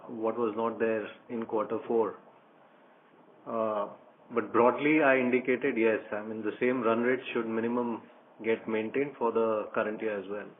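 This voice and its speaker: A man speaking as a company executive, giving careful, explanatory answers on an earnings call. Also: on the low side. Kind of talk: answering analyst questions on an earnings conference call. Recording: narrow, slightly noisy phone line.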